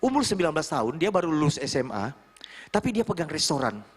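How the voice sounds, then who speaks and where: Lively storytelling male pastor. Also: a little high, quick pace, breathy edge. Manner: lively storytelling, mimics voices, chuckles. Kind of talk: sermon with acted quotes. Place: church.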